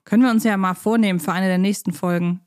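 A woman hosts a podcast in a casual, conversational style. Her voice sits at an ordinary middle pitch for a woman. The recording is very dry, with hardly any room around her. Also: steady tone, quick pace, a little mellow, no echo. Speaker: podcast host. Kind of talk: casual fan podcast discussion.

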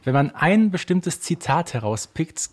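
A man's voice: fairly high pitch, sing-song, measured pace. A man co-hosting a podcast, bantering casually through a quiz. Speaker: podcast co-host.

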